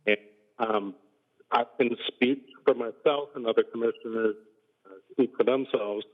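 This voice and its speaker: A man chairing a public meeting on a remote call, halting with ums, his audio choppy and cutting out on a bad connection. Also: mid-range voice, fairly even intonation. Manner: halting, with frequent ums and uhs. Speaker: conservation commission chair. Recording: tinny phone-like remote call line.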